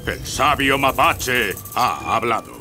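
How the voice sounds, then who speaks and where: A man's voice: medium pitch, lively intonation, slow, sharp tone, exaggerated voice. An actor voicing a solemn old tribal wise man in a cartoon, ceremonial and theatrical. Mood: grave. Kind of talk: animated cartoon dub. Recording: music behind the voice.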